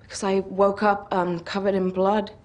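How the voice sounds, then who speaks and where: An actress playing a troubled young woman in a film, speaking in a halting, confessional way. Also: mid-range voice, flat delivery, darkish tone, lightly acted. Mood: ashamed. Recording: film clip with music.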